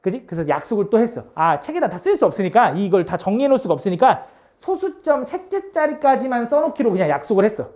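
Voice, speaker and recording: A woman's voice: on the high side, big pitch swings, fast, warm tone. A woman teaching a math class, coaxing and teasing her students with constant check-in questions.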